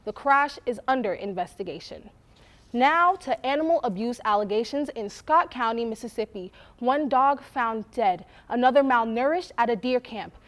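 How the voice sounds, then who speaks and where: A woman's voice: on the high side, animated, normal speed. A woman reading scripted local news as an anchor at a studio desk.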